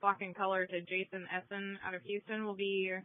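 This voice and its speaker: A woman's voice: medium pitch, level tone, fairly quick, dry recording. A woman dispatcher speaking in formal, procedural police radio talk over a two-way radio. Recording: thin, phone-like radio channel.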